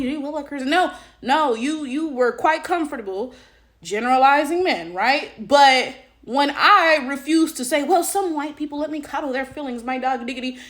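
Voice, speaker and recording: A late-20s social media commentator from Detroit talks to camera with a high, slightly bright voice. She's blunt and sassy, swearing, using slang, and tossing in emphatic rhetorical check-ins as she shares her opinions.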